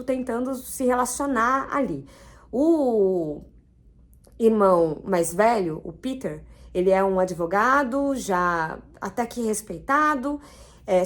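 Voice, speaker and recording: A woman in her thirties with a Brazilian Portuguese accent, chatting casually through a book review and dropping frequent tag questions. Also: fairly high pitch. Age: 30s.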